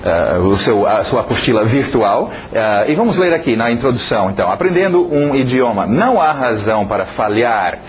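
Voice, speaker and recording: A man's voice: mid-range voice, expressive, normal speed, hardly any pauses, highs cut off, a little hiss or hum. Chatty male teacher saying "ok?". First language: English. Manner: chatty, repeats "ok?" often, many fillers. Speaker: English teacher. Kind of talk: casual course introduction.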